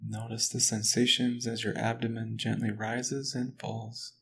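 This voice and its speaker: Calm man with a flat, even voice. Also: mid-range voice, creaky, slight background noise. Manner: slow, calm, even instruction. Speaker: relaxation guide. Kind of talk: guided relaxation script.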